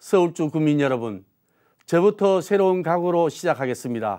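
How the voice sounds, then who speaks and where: A man's high-pitched voice with lively intonation at a moderate pace, over a quiet background. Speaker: city council member. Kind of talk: acceptance speech. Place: studio.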